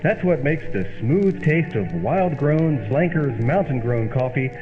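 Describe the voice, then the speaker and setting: Man playing a lively old-time radio comedy pitchman. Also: measured pace, lightly acted. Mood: hearty salesman. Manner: theatrical, emphatic salesman delivery. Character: wisecracking radio comedy straight man, folksy coffee pitchman. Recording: dull lo-fi old-radio sound, music behind.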